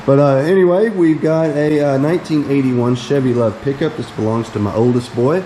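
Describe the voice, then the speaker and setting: A middle-aged American man, a DIY mechanic vlogger, explains a hands-on repair in a folksy, conversational way. He's in a hot space around a truck where a fan is running, and loud fan noise sits behind his mid-range voice, which moves at a moderate pace.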